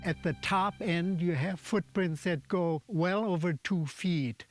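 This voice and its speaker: Older man explaining, higher-pitched, music behind. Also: takes it slowly. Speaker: expert interviewee. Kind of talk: explanatory documentary interview.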